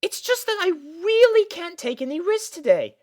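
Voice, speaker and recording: A woman's voice: very high-pitched, sing-song, normal speed, darkish tone. A woman voicing a refined, affectionate elder sister pony in a fan fiction audio drama, genteel and coaxing. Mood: fond, coaxing.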